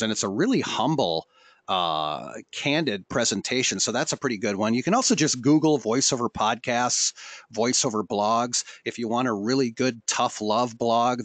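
A man's voice: medium pitch, fairly bright tone, no echo. Chatty, joking male webinar host. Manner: jokey, chatty, laughs often. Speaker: host and voiceover coach. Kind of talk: casual webinar chat.

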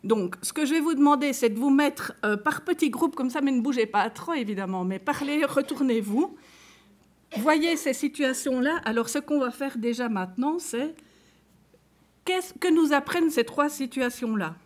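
Woman, Belgian French accent, slightly high voice, conference lecture, conversational, talks straight to the audience. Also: lively intonation, normal speed. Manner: conversational, addresses listeners directly and reads case examples aloud. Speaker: conference speaker.

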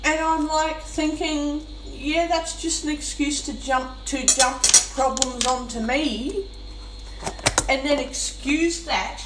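A woman's voice: high voice, slow. A woman venting in an exasperated, casual monologue while eating, her mouth sometimes full. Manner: exasperated, complaining. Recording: roomy, noisy, far from the mic.

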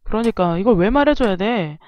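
A woman streamer giving animated, exasperated let's-play commentary on a close mic. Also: medium pitch, brisk.

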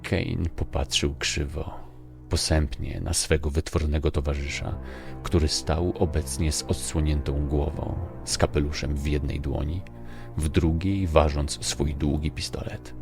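A man narrating a dark adventure audiobook in a measured, ominous storytelling style. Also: a bass voice, steady tone, vocal fry, music in the background. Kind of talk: scripted dramatic story narration.

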